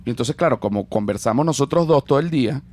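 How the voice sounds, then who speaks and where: A man with a Venezuelan accent hosting a casual podcast chat, talking in an animated, jokey way and swearing freely. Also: medium pitch, fast talker. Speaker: podcast host.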